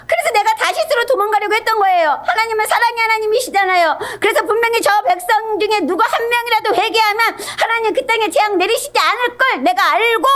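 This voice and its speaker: Casting: a woman doing a sulky grown male prophet, whining and near tears, pitched very high above a normal man's voice. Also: fairly bright tone. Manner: whiny, pleading, near tears.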